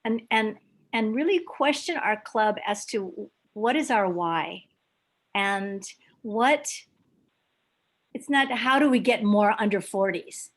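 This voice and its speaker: An older woman from Hawaii, speaking in a meeting with many pauses, ums and restarts. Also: mid-range voice, animated. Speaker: club member at a video meeting. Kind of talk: hesitant casual remarks.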